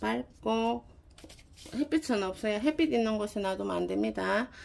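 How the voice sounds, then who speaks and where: This woman speaks in a Gyeongsang accent. Her pace is fairly slow. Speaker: home gardener, video creator. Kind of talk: gardening tutorial. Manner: casual, conversational.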